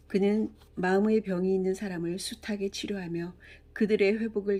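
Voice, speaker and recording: At a moderate pace, a woman with a medium pitch talks in a dark, mellow tone with monotone, flat intonation. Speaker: audiobook narrator. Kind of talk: book review introduction.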